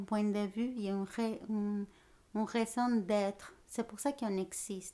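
A woman with a Spanish accent, fairly slow pace and fairly even intonation. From Mexico City, Mexico. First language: Spanish (speaking French). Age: 40s. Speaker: theatre director and actress. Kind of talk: interview. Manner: halting, many hesitations.

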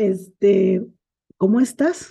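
Somewhat breathy, a woman speaks at a medium pitch in a dark, mellow tone. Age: 40s. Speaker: executive coach and podcast host. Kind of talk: solo podcast monologue. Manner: casual, with many fillers.

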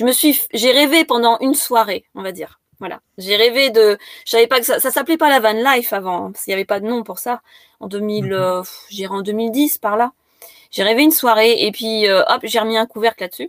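A woman's fairly high-pitched, ordinary speaking voice at a moderate pace, with ordinary pitch variation, big swings in loudness, and a dry, close sound with no echo. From western France, Loire-Atlantique. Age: 40s. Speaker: home tutor and van dweller. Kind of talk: casual interview. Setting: video livestream from her van.

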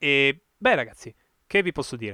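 A man speaks with lively intonation and a fairly quick pace. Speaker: podcast host, video game reviewer. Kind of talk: casual solo podcast monologue. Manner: animated, hyperbolic.

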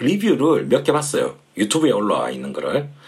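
A man talks at a moderate pace. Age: 40s. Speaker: podcast host and beatmaker. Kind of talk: scripted solo podcast monologue. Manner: casual, frequent laughs.

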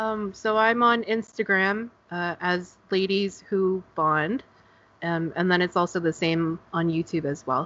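With a West Coast accent, a woman speaks at a fairly slow pace with a medium pitch and ordinary pitch variation. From Northern California. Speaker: podcast guest, fan community organizer. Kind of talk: casual interview. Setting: remote call.

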